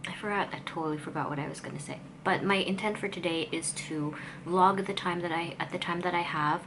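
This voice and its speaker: Casual vlogger, woman, thirties, light Filipino accent, lowish voice, rambling, noisy ambience. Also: a little fast. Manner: rambling, chatty, loses her train of thought. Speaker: vlogger and artist. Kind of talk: casual vlog chat. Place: home studio and walking outdoors.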